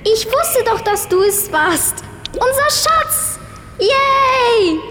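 A woman's voice: high-pitched, very animated, measured pace, faint music behind. A female performer playing a bossy, skeptical member of a cute animal gang in a children's story play. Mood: triumphant.

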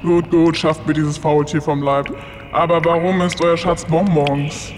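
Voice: medium pitch, level tone, measured pace, in a large hall, soft background music, lightly acted. A performer playing a grumpy, scheming villain pig in a children's story play. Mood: grumpy, dismissive.

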